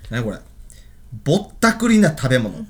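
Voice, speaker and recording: A woman with a Kansai accent who banters casually over a game in boyish, rough-edged speech. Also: rumbling low, wildly swooping pitch, moderate pace. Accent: Kansai Japanese.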